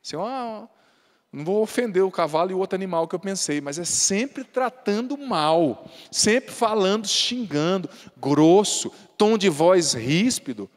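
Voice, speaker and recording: A man's voice: high voice, lively intonation, measured pace, big-room sound. A Brazilian man giving a Catholic sermon in a folksy, humorous way, often adding tag questions. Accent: Brazilian Portuguese. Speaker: Catholic priest.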